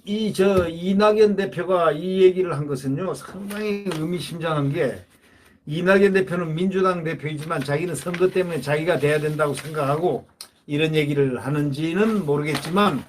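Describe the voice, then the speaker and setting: Man, solo political commentary, slightly high pitch, husky, emphatic, repeats for stress.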